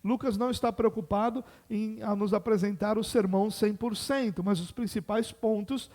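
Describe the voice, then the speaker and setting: A man's voice: high voice, steady tone, moderate pace, darkish tone. A man with a Brazilian Portuguese accent preaching an expository sermon as pastor, explaining patiently and posing rhetorical questions.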